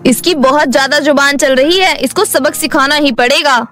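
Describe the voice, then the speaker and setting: A woman's voice: high-pitched, moderate pace, a bit bright, soft background music. A woman voicing a cruel, haughty, short-tempered mistress of the house in a cartoon story, scolding and threatening. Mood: angry, threatening. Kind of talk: animated moral story dialogue.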